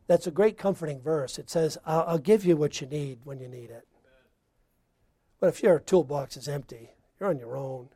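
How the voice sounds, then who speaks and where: A man's voice: on the high side, normal speed, no room sound. Emphatic male preacher, dry sound. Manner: emphatic preaching with swings from loud to hushed. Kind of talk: sermon.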